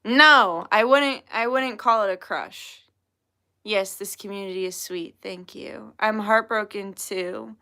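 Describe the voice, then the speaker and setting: Bright-voiced young woman chatting on a livestream. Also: medium pitch, takes it slowly. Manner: laughs often, joking and swearing freely. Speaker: tarot reader livestream host. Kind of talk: casual livestream chat, reading chat messages.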